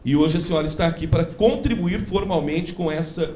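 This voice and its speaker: A man leads a council committee hearing in a slightly high voice. He sets out the procedure formally and asks the witness polite clarifying questions. Faint noise sits under his microphone. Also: fairly quick, darkish tone.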